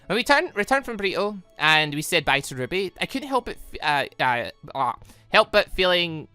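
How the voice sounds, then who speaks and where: A gaming host giving excitable, rambling commentary and reading visual novel dialogue aloud, often repeating words. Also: medium pitch, moderate pace, clear, resonant tone, dry recording. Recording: music behind the voice. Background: background music.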